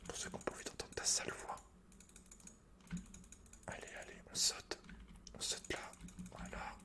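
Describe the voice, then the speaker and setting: Whispering near a close mic, this gaming ASMR host teases his way through casual, slang-filled gameplay commentary. His tone is bright and forceful at a moderate pace, with computer keys being typed in the background.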